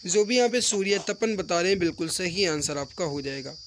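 High-pitched man teaching a quiz lesson. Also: lively intonation, a bit bright. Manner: brisk, addresses viewers as brothers and friends, repeats questions. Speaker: online exam-prep teacher. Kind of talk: mock-test quiz lesson, reading and answering questions. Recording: rattling wind noise in the background. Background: wind noise from a storm outside.

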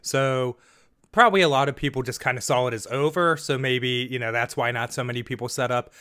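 A man's voice: medium pitch, brisk, pushed and bright, clear, resonant tone. A man in his thirties chatting casually to camera about his finds, rambling with fillers, recorded on a studio mic in a small room. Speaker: reseller vlogger. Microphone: studio mic in front.

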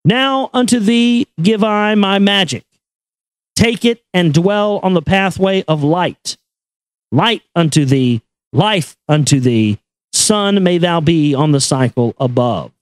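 A man giving a solemn, measured reading of an esoteric text in an incantatory, deliberate manner. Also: high-pitched, expressive, no room sound. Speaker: reader and commentator. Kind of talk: solemn recitation of an esoteric text with brief asides.

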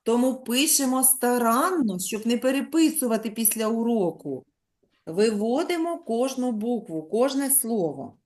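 A woman primary school teacher giving an online lesson to young children. She dictates slowly, stretches out words and sounds out letters one by one, and keeps prompting the pupils with questions. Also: a little high, expressive, darkish tone. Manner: drawn-out, slow dictation, sounding out letters and syllables.

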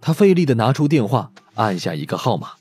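A man's voice: mid-range voice, very animated, brisk, a little mellow, husky, no echo. A man narrating a dramatic audiobook story in a scripted style. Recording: faint music under the voice.

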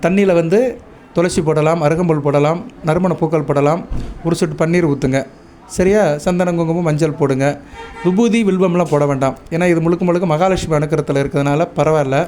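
Tamil-accented guy talking rituals and mantras, dark mellow tone, faint room hum behind. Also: on the high side. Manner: repeats "சரியா?" often, measured and instructive; chants mantras and praise lists in a steady recitation. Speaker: astrologer. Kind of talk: devotional advice talk to viewers.

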